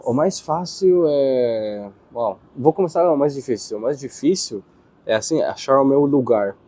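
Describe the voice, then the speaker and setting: A young man from Israel with an Israeli accent, answering interview questions in his second language, pausing and searching for words. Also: medium pitch, animated, dark tone, husky. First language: Hebrew. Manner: hesitant, searching for words, with restarts.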